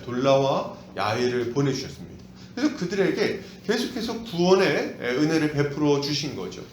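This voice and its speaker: Animated male pastor preaching. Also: a little high, moderate pace, roomy sound, slight background noise. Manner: animated, asks the congregation questions. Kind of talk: expository sermon. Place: church.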